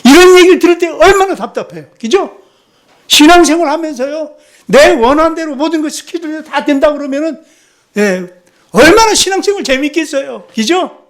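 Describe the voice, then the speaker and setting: High-voiced male missionary preaching a sermon. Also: animated, normal speed. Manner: asks the congregation rhetorical questions, drops in short affirming "yes" interjections. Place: church sanctuary.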